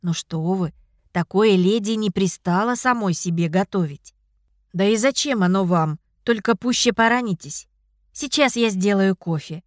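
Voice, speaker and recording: A woman's voice: medium pitch, normal speed, no echo, clean studio sound, lightly acted. A woman voicing a formal, polite but patronizing male cook in an audiobook. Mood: courteous. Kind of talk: audiobook character voice.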